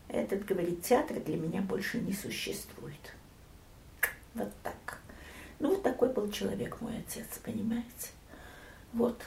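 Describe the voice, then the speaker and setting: An older woman recounting family memories in an interview, storytelling with lively swings and soft near-whispered asides. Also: mid-range voice, gravelly, reverberant. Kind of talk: oral history reminiscence.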